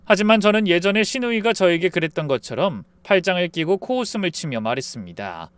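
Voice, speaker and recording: A man reading a scripted first-person drama story in an even, dramatic manner. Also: high voice, fast talker, clean tone, dry recording. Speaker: story narrator.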